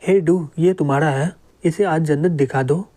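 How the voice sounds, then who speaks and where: Man reading a threatening young security chief; mellow tone, a touch high. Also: normal speed, close to an everyday voice. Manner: blustering, threatening.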